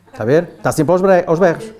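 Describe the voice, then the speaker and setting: Mellow-voiced Portuguese man lecturing. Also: fairly high pitch, fast. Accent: European Portuguese. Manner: chatty, keeps asking "não é?". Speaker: trainer. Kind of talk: classroom lecture.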